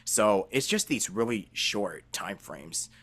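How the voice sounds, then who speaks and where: A man's voice: lowish voice, expressive, slow, a bit bright, breathy edge. A man in a casual chat who rambles, restarts his thoughts and laughs easily. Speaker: voice actor and show host.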